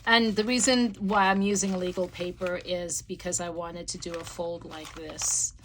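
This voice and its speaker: A woman's voice: lowish voice, steady tone, moderate pace, a little hiss or hum, rough recording. A woman hosting a casual crafting tutorial, losing her voice with a slight cough, rambling with many ums and restarts. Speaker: craft channel host.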